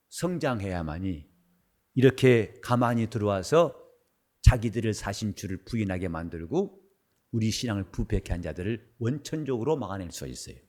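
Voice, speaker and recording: Hoarse, animated Korean pastor. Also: male voice, mid-range voice. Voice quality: husky from a worn voice. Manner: animated, swings between loud outbursts and quiet asides. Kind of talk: sermon. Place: church sanctuary.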